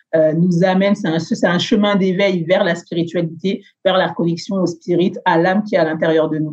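Here is a woman with a plain, everyday voice and fairly low pitch. She keeps a moderate pace, fairly even intonation and hardly any pauses. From France. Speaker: ethno-coach. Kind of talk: interview. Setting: podcast.

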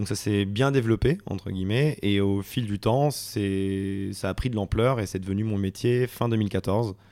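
In a very clean recording with a silent background, a man with a fairly low pitch and a dark, mellow tone speaks at a fairly slow pace with fairly even intonation. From France, Haute-Loire (Auvergne). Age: 30s. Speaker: travel blogger. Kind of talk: casual interview.

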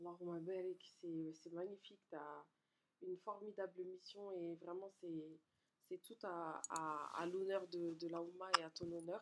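The pace is very slow. This woman's pitch sits fairly low. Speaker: podcast host and mindset coach. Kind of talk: interview. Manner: animated. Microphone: poor, hard to hear.

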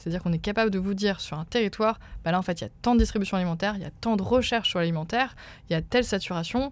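The woman talks at a very fast pace with ordinary pitch variation. The recording is very clean, with a silent background. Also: medium pitch for a woman. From France, Vosges (Remiremont). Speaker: founder and director of a non-profit. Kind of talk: radio interview. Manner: animated.

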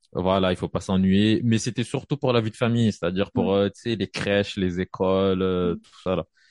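Speaking at a moderate pace with hardly any pauses, a man uses a fairly low pitch and fairly even intonation against a quiet background. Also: dry, close sound with no echo. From Comoros, Moroni. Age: 30s. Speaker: finance professional. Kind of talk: interview. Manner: hesitant, many fillers.

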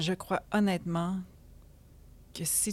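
A woman speaks at a very slow pace in a somewhat breathy voice with fairly even intonation. The recording is very clean, with a silent background. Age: 50s. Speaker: choreographer and dance school founder. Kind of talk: casual interview.

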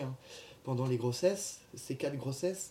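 A man speaks at a fairly quick pace. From France, Eure-et-Loir. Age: 30s. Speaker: family constellation therapist. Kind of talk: casual interview.

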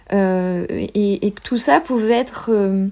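A woman's fairly high voice at a very slow pace, with ordinary pitch variation and a quiet background. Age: 30s. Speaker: artist and eco-construction trainer. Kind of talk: personal testimony. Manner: halting, many hesitations.

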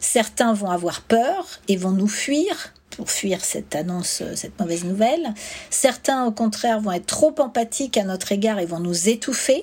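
Somewhat breathy and fairly high in pitch, a woman speaks at a fairly slow pace with lively intonation. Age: 60s. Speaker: retiree and cancer survivor sharing her story. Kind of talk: personal testimony. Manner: smiling, light-hearted.

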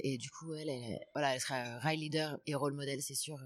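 Her voice is very deep and low for a woman. She speaks at a moderate pace with fairly even intonation. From Paris, France. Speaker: amateur ultra-distance cyclist. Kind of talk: casual interview. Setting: café.

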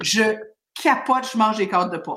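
In a Quebec accent, a woman speaks at a fairly high pitch with ordinary pitch variation. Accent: Québécois French. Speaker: parenting coach and author. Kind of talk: interview.

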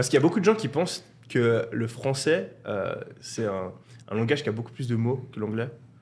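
Speaking at a fairly quick pace, a man uses a medium pitch with ordinary variation and sounds somewhat breathy. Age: 20s. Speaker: podcast host. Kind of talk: casual chat.

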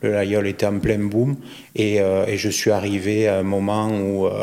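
Monotone, flat intonation at a fairly slow pace. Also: man. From France, Aveyron (Rodez). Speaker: knife-making entrepreneur. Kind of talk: interview. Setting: on location in a village. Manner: hesitant, many fillers and repetitions.

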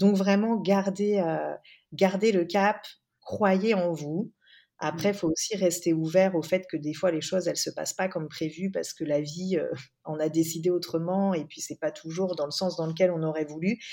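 With a very clean recording and silent background, a woman speaks in a normal speaking voice at a fairly low pitch, a moderate pace, and fairly even intonation. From France. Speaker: yoga teacher. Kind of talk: interview testimony.

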